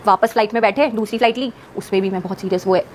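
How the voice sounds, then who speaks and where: A woman speaking quickly as a podcast guest, recounting a personal story in an earnest, rambling manner and mixing English words into her sentences. A faint hum of room ambience sits behind her voice. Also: medium pitch, fairly even intonation. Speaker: guest, singer.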